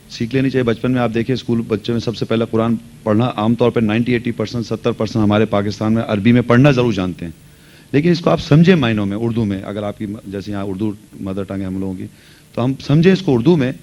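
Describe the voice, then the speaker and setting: A man's voice: on the low side, a little mellow, dull audio. A man giving a religious lecture, earnestly explaining and mixing English words into his speech. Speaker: Quran lecturer.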